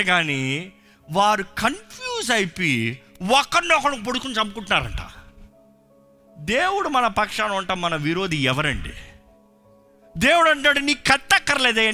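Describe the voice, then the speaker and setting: A man's voice: high-pitched, pushed and bright. A man preaching a passionate sermon as pastor, mixing in English phrases and calling on the congregation to respond. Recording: faint music behind.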